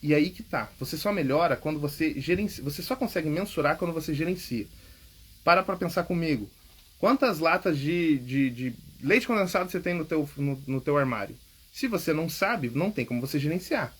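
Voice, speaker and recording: A man coaches listeners on his public speaking podcast from a home recording, emphatic and casual, repeating key points and checking in with frequent "ok?"s. His high-ish voice is husky and fairly bright, brisk, with lively intonation.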